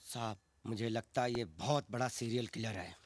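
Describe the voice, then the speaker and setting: An actor playing a nervous, wisecracking police constable who makes timid asides in a Hindi film scene. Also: male voice, lowish voice, moderate pace, no echo, lightly acted.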